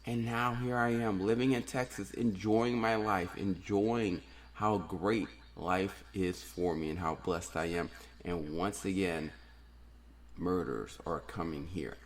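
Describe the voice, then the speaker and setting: A man who grew up in New Orleans, hosting a solo podcast and ranting earnestly, with repeated phrases for emphasis. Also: deep voice. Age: adult, has daughters. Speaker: podcast host.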